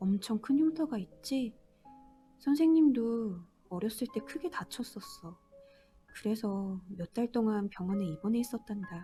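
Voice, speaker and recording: Over background music, a woman speaks very slowly in a fairly high voice, her tone calm and soothing and her intonation lively. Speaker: company employee reading audiobook. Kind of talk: audiobook essay reading. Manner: calm, soothing.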